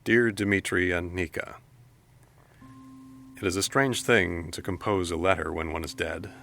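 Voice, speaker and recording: A regretful ghost man reading out a solemn letter, very low creaky voice, music behind him, audio drama. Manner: formal, measured, pedantic. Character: regretful dead man's spirit dictating a solemn letter. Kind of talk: epistolary audio drama monologue.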